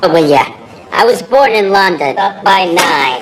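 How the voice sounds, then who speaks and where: Over clear background noise, a female-sounding voice puts on a character voice at a medium pitch for a woman, speaking at a fairly slow pace. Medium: voice reel. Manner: casual, conversational.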